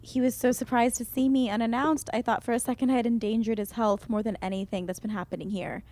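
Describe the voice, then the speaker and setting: A woman playing a gentle, caring adolescent in an audio drama, with an easygoing, sincere manner. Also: on the high side, fairly even intonation, fast talker, a little hiss or hum, close to an everyday voice. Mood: warm, relieved.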